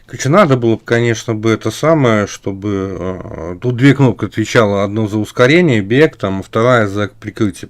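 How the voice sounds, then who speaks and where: A man casually commenting on his gameplay as a streamer, rambling with many fillers. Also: on the low side.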